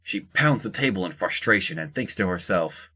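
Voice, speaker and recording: Casting: low-voiced narrator for scripted audio fiction, telling the action between lines. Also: expressive, moderate pace, bright, forceful tone, breathy edge.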